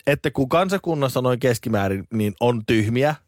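A Finnish man co-hosting a podcast, chatting in an animated, rambling way with many restarts. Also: medium pitch, no room sound, clean studio sound. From Finland. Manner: animated, rambling, with false starts. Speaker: podcast co-host. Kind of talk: casual chat.

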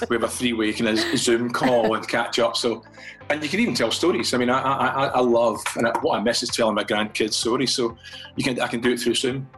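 A man's voice: mid-range voice, steady tone, a little fast, over music, low-quality recording. An older Scottish man, a guest from a fathers' charity, chatting in a radio interview and often repeating words as he restarts his thoughts.

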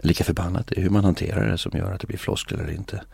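A middle-aged man in a reflective interview, musing philosophically and often pausing with filler sounds. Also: sits low, steady tone, vocal fry, darkish tone, slightly rough, no echo. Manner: hesitant, many filler sounds. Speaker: interview guest. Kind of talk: reflective conversation.

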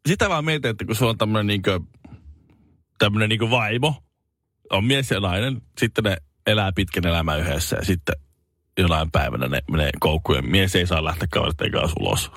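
A man's voice: no room sound, studio quality. A man co-hosting a casual chat show, telling stories with lots of fillers and sudden comic voices. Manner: animated storyteller, hesitant fillers, jumps into high comic voices. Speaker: podcast co-host.

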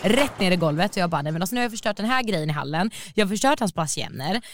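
A young adult woman telling a story in casual chat, animated and slangy, laughing as she goes. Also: fairly low pitch, heavy background noise.

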